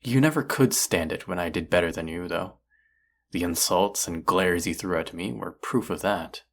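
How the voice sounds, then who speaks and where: A man's voice: deep voice, moderate pace, gravelly. A man playing a proud, combative restaurant chef in an audio roleplay, indignant, condescending and sarcastic as he argues. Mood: scornful. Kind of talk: audio roleplay acting, one-sided dialogue.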